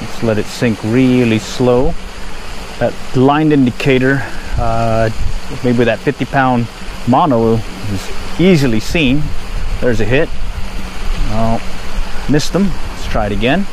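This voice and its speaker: A man talks his way through a fishing session in an easy, chatty voice at a middling pitch. He is outdoors by a park pond, recorded on a head-mounted action camera, with steady background noise under his voice. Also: takes it slowly, pauses often, rough recording. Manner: relaxed, chatty, pleased exclamations at each catch. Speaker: fishing vlogger. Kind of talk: casual running commentary while fishing.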